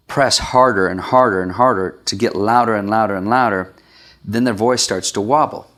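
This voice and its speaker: A man as a vocal coach hosting a weekly vocal tip, explaining singing technique in a clear instructional way with short demonstrations. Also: fairly low pitch, fairly bright tone. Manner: explanatory, with sung and syllable demonstrations.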